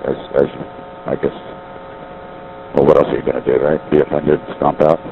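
The audio is narrow and tinny with a noisy background, as a middle-aged man on a street payphone muses aloud and keeps correcting himself while he wanders between topics. His creaky bass voice barely moves in pitch and holds a moderate pace.

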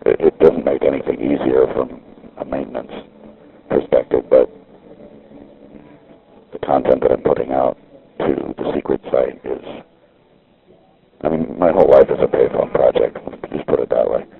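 Man, payphone call, very deep gravelly voice, tinny phone line, halting rambling talk. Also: fairly even intonation. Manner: halting, with frequent restarts. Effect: talking over a payphone line. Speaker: caller recording a phone message. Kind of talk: rambling casual monologue. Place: outdoor street payphone.

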